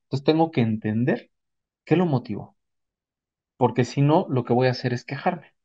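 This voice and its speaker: A man with a Mexican accent speaks as a psychotherapist explaining things step by step. His voice is relaxed and warm at an average male pitch. He teaches through rhetorical questions and examples, and the sound is a little dull. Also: moderate pace. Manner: didactic, checks in with rhetorical questions. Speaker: psychotherapist giving a parenting talk. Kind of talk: explanatory talk with acted examples.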